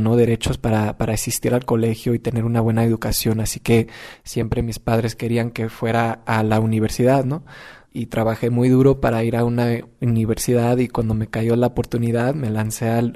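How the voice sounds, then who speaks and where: A man's voice: mid-range voice, mellow. Hesitant young man. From United States. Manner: hesitant, many restarts and fillers. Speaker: community organizer. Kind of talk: personal storytelling.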